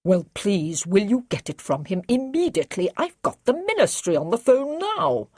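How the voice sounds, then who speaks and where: A woman voicing a brisk, commanding male army brigadier in an audiobook, giving clipped, urgent orders. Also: on the high side, very animated, darkish tone, no room sound, studio quality, pitched above the performer's own voice. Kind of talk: audiobook character reading.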